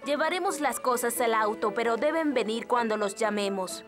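A woman's voice: a little high, normal speed, music in the background, lightly acted. A woman voicing a kindly elf mother in a Latin American Spanish cartoon dub. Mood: caring. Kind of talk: children's cartoon dub acting.

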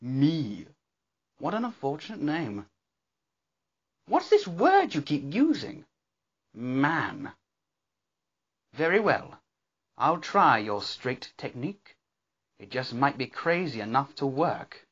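Cartoon male pony scientist, played by a voice performer: eccentric, exclamatory, genteel, very animated pitch, somewhat muffled sound. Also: takes it slowly, long pauses, breathy edge, full character voice. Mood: puzzled, reflective. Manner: theatrical, exclamatory, wordy and genteel. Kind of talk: character voice reel, theatrical cartoon acting.

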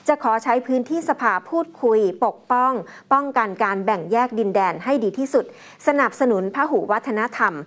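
A woman news anchor reading a political report in a steady, formal manner. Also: a little high, moderate pace.

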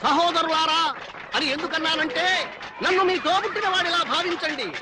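A pompous chief minister. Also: male voice, very high voice, fairly even intonation, fairly quick, heavy background noise. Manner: boastful speechmaking, crude asides. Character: vain pompous male chief minister politician. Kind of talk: 1990s Telugu film dialogue.

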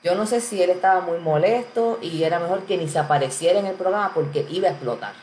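A woman's voice: lowish voice, fast talker, darkish tone. Chatty woman streaming live, roomy echo. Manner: chatty, greets viewers by name and answers comments. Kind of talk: casual live-stream chat. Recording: roomy echo with faint background noise.

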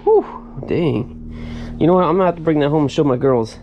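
Excitable man sorting junk on camera. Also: on the high side, normal speed, lo-fi sound. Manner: excited exclamations over finds. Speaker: storage unit reseller. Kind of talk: casual unboxing commentary. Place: storage unit. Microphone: head-mounted action camera. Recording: noisy storage unit recording.

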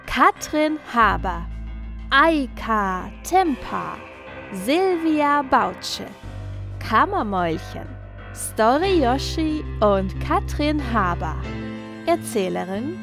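A woman narrates a children's audio story from a script. Her voice is fairly high with animated intonation. She reads slowly, with music playing behind her.

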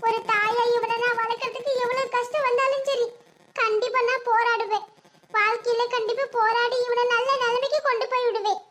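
A woman voicing a gentle young widowed mother with a southern Tamil Nadu accent, pleading softly. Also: very high-pitched, heavy background noise. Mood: resolute sorrow. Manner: pleading, soft.

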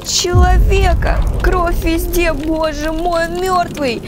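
A woman's voice: extremely high pitch, moderate pace, over music. A woman voicing a frightened, anxious young woman stranded on a train in a horror text-message story. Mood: terrified. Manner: anxious, breathless exclamations and pleas.

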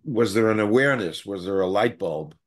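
Low, halting older man host. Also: animated. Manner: halting, searching for words. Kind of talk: interview questions.

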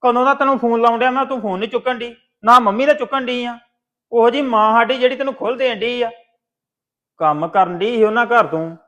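Guy playing a mad big brother, high voice, grilling his sister fast. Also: roomy sound. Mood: angry scolding. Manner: scolding, interrogating, loud. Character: stern angry elder brother, young adult man. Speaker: elder brother.

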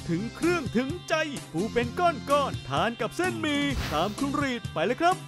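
A man with a high voice reads a scripted, salesy voice-over for a food show. His delivery stays smooth and enthusiastic, and music plays clearly behind him. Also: very animated, moderate pace. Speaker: show narrator.

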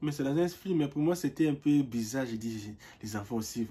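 Husky-voiced young man vlogging. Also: mid-range voice, fairly quick. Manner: animated storytelling, repeats words as he searches for them. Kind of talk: casual vlog talk to camera.

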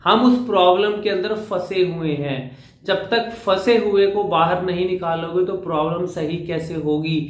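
A man's voice: high voice, moderate pace, reverberant. A man from India, a public speaking coach, giving an earnest talk to camera and answering his own questions.

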